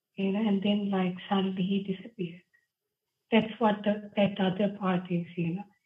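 Somewhat breathy speech at a moderate pace, monotone and flat, in a quiet background. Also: woman. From Sri Lanka. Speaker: spiritual coach and author; spiritual coach. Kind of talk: casual interview. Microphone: webcam.

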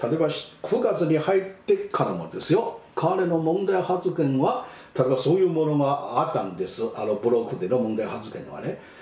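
With very wide pitch swings and hardly any pauses, a man talks at a moderate pace in a room with audible echo. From China, Sichuan. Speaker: political commentator. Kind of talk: news commentary monologue. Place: home room. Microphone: webcam.

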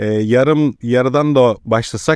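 A man with a normal speaking voice at medium pitch, fairly even intonation, and a dry, close sound with no echo. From Turkey, Foça, İzmir (Aegean). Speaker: farmer. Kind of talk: interview. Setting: outdoors.

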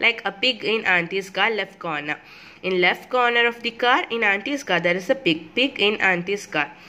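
A woman speaks at a moderate pace with an Indian accent. Her pitch sits in the middle range, and her intonation is lively. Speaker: medical entrance exam aspirant, student. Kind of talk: casual educational tutorial to camera.

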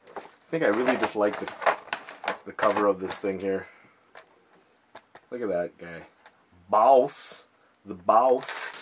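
A man at a fairly low pitch and fairly slow pace, with ordinary pitch variation, big swings in loudness, long and frequent pauses, and noticeable background noise. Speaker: video game reseller YouTuber. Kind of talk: casual haul video. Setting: at home at night. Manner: quiet, hushed. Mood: upbeat, amused. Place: home room.

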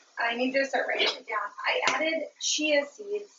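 Noticeable background noise surrounds a woman speaking with ordinary pitch variation. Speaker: cooking vlogger. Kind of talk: casual vlog narration. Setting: home kitchen. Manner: fast talker. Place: kitchen. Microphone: camera far.

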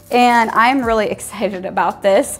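At a fairly slow pace and with ordinary pitch variation, a woman speaks over faint music in the background. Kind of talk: casual cooking tutorial chat. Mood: cheerful, relaxed. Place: kitchen.

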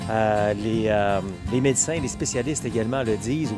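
A man at a moderate pace, clear music in the background, dry sound with no echo. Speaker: journalist, speaker. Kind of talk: casual vlog chat. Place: street. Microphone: phone near.

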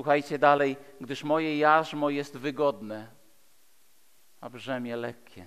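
A man talks very slowly in a fairly high voice, leaving long, frequent pauses. His loudness swings widely while his intonation stays fairly even, over a quiet background. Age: 50s. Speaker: bishop, preacher. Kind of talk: sermon. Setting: church. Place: church. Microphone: headset.

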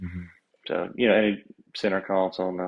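A man with an American accent talks at a fairly quick pace in a very deep, low pitch. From US South (South Florida); Florida. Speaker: swordfish fisherman; guest. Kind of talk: casual chat. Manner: halting. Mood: relaxed, friendly. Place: home room. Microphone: video call.

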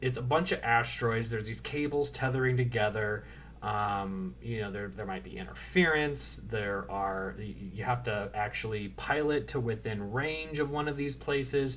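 Noticeable background noise sits behind a man with a fairly low voice. He talks at a moderate pace with lively intonation and hardly any pauses. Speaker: podcast host. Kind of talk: casual chat.

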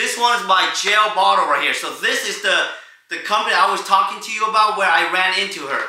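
In a room with audible echo, a man projects a raised voice. He keeps a moderate pace with ordinary pitch variation. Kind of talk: casual unboxing vlog. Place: home room.

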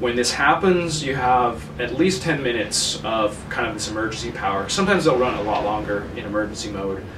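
Noticeable background noise sits under this clip. A man talks at a moderate pace. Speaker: presenter. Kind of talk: tutorial. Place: workshop.

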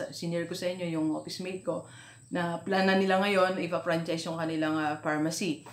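A woman speaks in a fairly low pitch. There is audible room echo. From Philippines. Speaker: motivational vlogger and life coach; motivational vlogger, life coach. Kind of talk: motivational vlog talk. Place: home room.

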